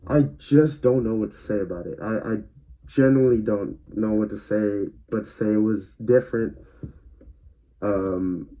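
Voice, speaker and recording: A man's voice: lowish voice, moderate pace, mellow. A man giving a casual spoken movie review, hesitant and stuttering, with many fillers. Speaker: film reviewer. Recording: dull lo-fi recording.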